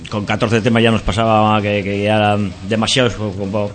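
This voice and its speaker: Low-voiced band member, rambling. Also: male voice, little pitch movement, fairly quick, slight background noise. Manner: rambling, hesitant with fillers. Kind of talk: casual interview.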